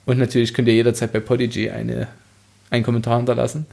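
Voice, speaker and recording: A man's voice: medium pitch, monotone, fast, gravelly, a little mellow. A man co-hosting a podcast, talking in a casual, chatty style. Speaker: podcast co-host. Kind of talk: casual chat.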